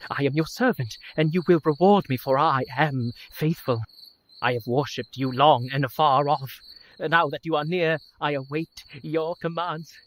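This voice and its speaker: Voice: medium pitch, normal speed, lightly acted, rough recording. An actor doing a frenzied devoted madman. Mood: fervent worship. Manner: fervent, pleading, then shrieking. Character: frenzied male asylum patient, devoted servant.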